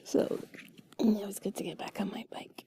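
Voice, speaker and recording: Husky, whispery woman with a creaky edge. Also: mid-range voice, steady tone, moderate pace, dry recording. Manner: soft, rambling, confiding. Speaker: intimate audio creator. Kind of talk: intimate, cuddly whispered storytelling to the listener.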